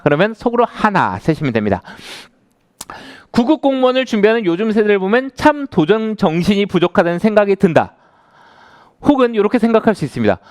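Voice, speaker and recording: A man's voice: high-pitched, darkish tone, no room sound, clean studio sound. A man in his thirties, an author giving a conversational lecture to a live audience and asking them questions. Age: 30s.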